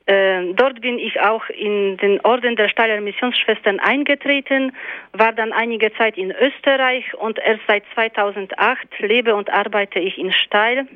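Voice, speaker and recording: A woman, a missionary nun with a Polish accent whose first language is Polish, telling her own story in German and pausing often to find her words. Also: medium pitch, no echo. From Poland. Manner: thoughtful, many hesitations and fillers. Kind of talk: personal testimony interview. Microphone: phone. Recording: tinny phone line.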